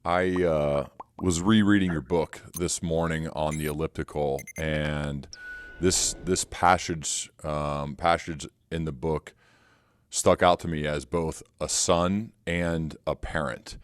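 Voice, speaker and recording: A man's voice: a bass voice, fairly even intonation, takes it slowly, clean tone. A man hosting a podcast, asking long thoughtful questions and reading passages aloud to his guest. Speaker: podcast host. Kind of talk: interview hosting.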